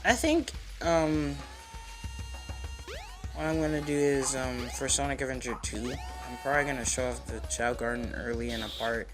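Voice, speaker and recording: A man's voice: medium pitch, normal speed. A young man giving casual, slangy, rambling game commentary as the host of a gaming video. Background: video game music.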